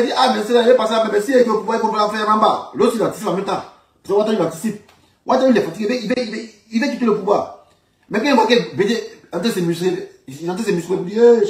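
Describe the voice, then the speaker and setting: A man with an Ivorian French accent giving informal political commentary, insisting on his points and repeating his phrases emphatically. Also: high voice. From Ivory Coast. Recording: roomy echo, distant from the mic.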